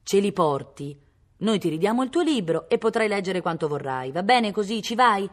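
A woman voicing rough young men who bully a bandit, insistent and taunting. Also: medium pitch, expressive, moderate pace, voice pushed up, lightly acted.

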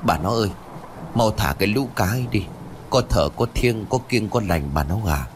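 A man's voice: lowish voice, lively intonation, normal speed, a little hiss or hum, close to an everyday voice. Narrator doing an elderly superstitious grandfather, solemn and uneasy. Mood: urgent. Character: anxious superstitious village grandfather.

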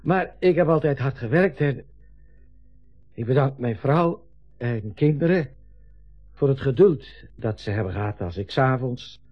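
A man's voice: mid-range voice, expressive, a little slow, pauses often. An actor playing a modest older railway engineer in a radio play, hesitant and self-deprecating in his talk. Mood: modest, wry. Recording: dull radio recording, music behind.

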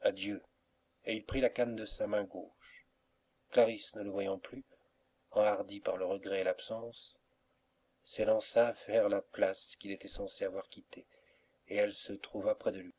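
A man with a fairly low voice narrates a classic tale for an audiobook. His storytelling is measured and even. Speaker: volunteer audiobook reader.

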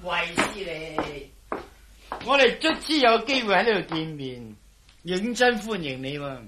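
A smug, sly spy boss. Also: male voice, high voice, very animated, bright, forceful tone, a little hiss or hum, full character voice. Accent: Cantonese. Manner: slow, drawn-out, smug delivery with mocking laughs. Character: smug male intelligence boss, sly and mocking.

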